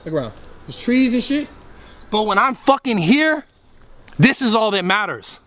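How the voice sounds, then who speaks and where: A man's voice: sits high, very animated, fairly bright tone, no echo. A man vlogging outdoors, giving a rambling, profane motivational talk straight to the camera. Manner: rambling, profane, fast and emphatic. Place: outdoors among trees.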